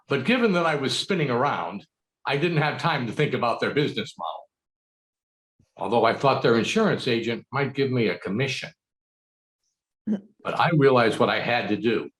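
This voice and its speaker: A middle-aged American man performs a comic speech with mock-earnest drama. His pitch swings widely and he leaves theatrical pauses. The sound is a roomy video call with clear echo. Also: a bit bright. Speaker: speech contest speaker. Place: book-lined room at home.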